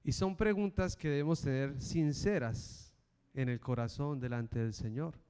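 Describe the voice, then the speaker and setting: A middle-aged male preacher giving a sermon and telling a personal story with animated, acted-out voices. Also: mid-range voice, measured pace, smooth. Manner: animated storytelling, acting out the characters. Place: church. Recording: reverberant church hall.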